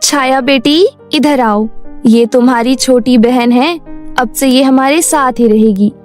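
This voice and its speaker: A loving fairy mother speaks gently and firmly to her daughters in a cartoon story, as a woman voices her. Her voice sits high and kind, with soft music under it. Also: measured pace. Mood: tender.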